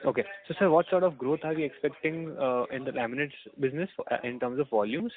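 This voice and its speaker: A man's voice: fairly high pitch, quick pace. A man with an Indian accent politely asking questions as an analyst, in spontaneous, slightly hesitant phrasing. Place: on a phone call. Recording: tinny narrowband phone line.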